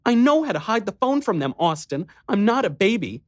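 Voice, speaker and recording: A woman's voice: medium pitch, very animated, brisk, no echo, voice pushed up, natural voice. A man voicing a terrified young woman who whimpers and sobs hysterically. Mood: petulant.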